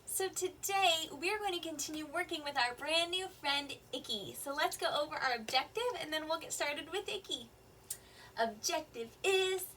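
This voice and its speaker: A woman teaching an online kindergarten reading lesson, talking slowly and clearly in a sing-song voice to small children. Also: high-pitched, bright, forceful tone, a little hiss or hum. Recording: slightly distant mic with faint room ambience.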